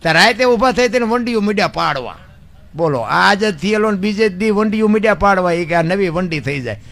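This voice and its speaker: A man with a Gujarati accent performing folk storytelling on stage, breaking into loud rhythmic rhymed recitation. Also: high voice, expressive, fairly quick, creaky. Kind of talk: Gujarati lok dayro storytelling. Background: music.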